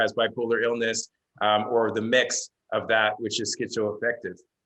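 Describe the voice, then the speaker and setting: A man's bright, sharp tone sits at a medium pitch. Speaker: mental health advocate and author. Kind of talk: interview. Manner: fast.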